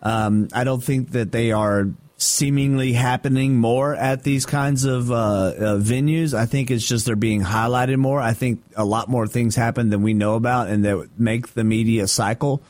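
A man's voice: mid-range voice, fairly even intonation, normal speed, hardly any pauses, darkish tone, no echo. A man co-hosting a talk radio show, giving blunt, dismissive opinions in casual chat. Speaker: radio co-host.

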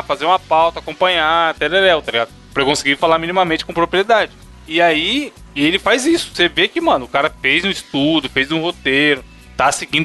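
Bright-voiced slangy podcast host. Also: male voice, on the high side. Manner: slangy, jokey, animated. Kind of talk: casual podcast chat.

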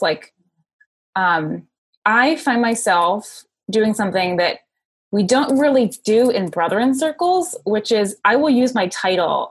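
A woman's voice: a little high, husky. A young woman talking casually as an interviewee, in a hesitant, circling conversational way. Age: young adult. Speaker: interviewee, ordained minister.

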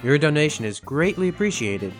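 A man's voice: a little high, big pitch swings, brisk, faint music behind. A man announcer reading a scripted donation appeal in a friendly way.

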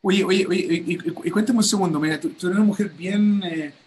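A man's voice: high voice, brisk, darkish tone, a little hiss or hum. A male host talking animatedly on a call, with many fillers and restarts. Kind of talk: enthusiastic call interview.

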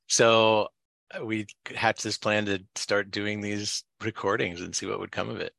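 A man co-hosting a podcast, chatting in a playful, animated way. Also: fairly low pitch, creaky, no room sound. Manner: animated, playful, quick to laugh. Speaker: podcast co-host. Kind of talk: casual podcast interview.

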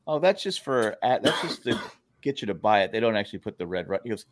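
A man's voice: on the low side, very animated, quick pace. An older man co-hosting a casual podcast, telling rambling stories with lots of stammered restarts. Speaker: podcast co-host. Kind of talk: casual chat.

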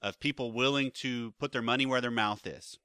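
A man co-hosting a podcast in casual chat, relaxed and giving affirming replies. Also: medium pitch, a little fast, clean tone, dry recording, studio quality. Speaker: podcast co-host.

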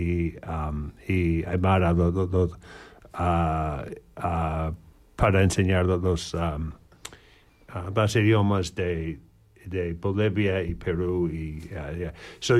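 A man in his fifties from the Chicago area with an American accent, a priest speaking learned Spanish haltingly on a radio interview. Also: sits low, darkish tone. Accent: American English. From Chicago area, USA. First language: English. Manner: halting, many fillers and restarts in learned Spanish. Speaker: associate pastor, radio guest.

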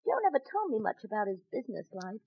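Grieving sweetheart, high soft voice, dry dull vintage radio. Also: female voice, very animated, fast talker, no echo. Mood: sorrowful. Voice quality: soft, tearful. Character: sorrowful woman, dead crook's sweetheart. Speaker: grieving girlfriend of a murdered man. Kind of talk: 1940s radio acting. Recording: dry muffled old radio recording.

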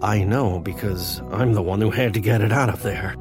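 An actor playing a nervous, deadpan presidential aide who tells his story with dry quips in a comic radio play. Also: on the low side, normal speed, music in the background, close to an everyday voice.

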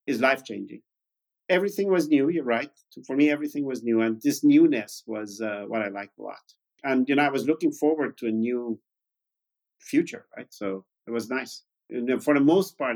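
A man's voice: medium pitch, vocal fry, low-quality recording. A man in his fifties from Iran, a native Farsi speaker, telling his story conversationally as an interview guest. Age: 50s. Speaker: interview guest, tech founder.

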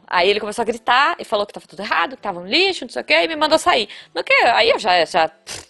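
A Brazilian woman from the São Paulo area, hosting a casual podcast chat and telling a story with lively acted-out quotes. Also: a little high. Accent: Brazilian Portuguese, São Paulo area. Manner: animated storyteller acting out quotes. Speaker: podcast host.

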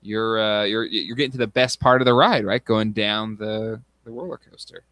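Lowish-voiced man in his thirties. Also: normal speed, fairly bright tone, dry recording. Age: 30s. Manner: hesitant, lots of fillers, reads aloud. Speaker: podcast co-host. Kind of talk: casual chat.

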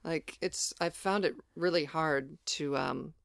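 A woman's voice: deep voice, takes it slowly, vocal fry, no echo. A trans woman explains her methods on a podcast in a practical, step-by-step way. The recording is dry and close, with no room sound. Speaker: podcast co-host. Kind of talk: casual conversation.

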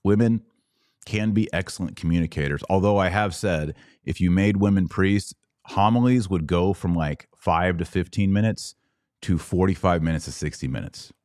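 A man hosting a Catholic podcast, giving a sermon-like explanation in an emphatic, deliberate way with dramatic pauses. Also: low voice, a little mellow, no echo, studio quality.

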